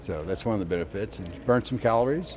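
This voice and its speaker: The man's intonation is lively, and there is noticeable background noise. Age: 60s. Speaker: mall walker. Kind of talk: interview.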